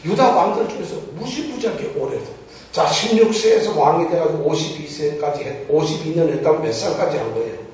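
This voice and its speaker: A man's voice: on the high side, lively intonation, a little fast, a little mellow, a little hiss or hum. Man preaching in a very echoey hall. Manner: poses rhetorical questions to the congregation. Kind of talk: Bible teaching sermon. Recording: very echoey church hall, mic far off.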